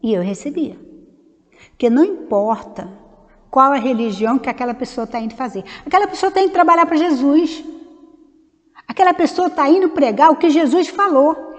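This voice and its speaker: A woman's voice: high-pitched, moderate pace. A Brazilian woman giving an informal, conversational religious study talk, wandering off on side stories and acting out small dialogues. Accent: Brazilian Portuguese. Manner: conversational, digressive, acts out little dialogues. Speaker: speaker at a Spiritist study meeting. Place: meeting hall of a Spiritist center. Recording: long hall reverb.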